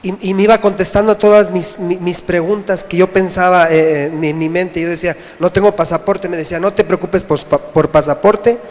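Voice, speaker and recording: A man from Mexico giving an earnest, halting personal testimony to a church congregation, often repeating himself. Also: high voice, steady tone. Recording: echoey church hall.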